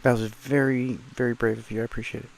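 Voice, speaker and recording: A man's voice: mid-range voice, level tone, fast talker, creaky, low-quality recording. A man hosting a heated debate, combative and dismissive, and swearing when provoked. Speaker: host.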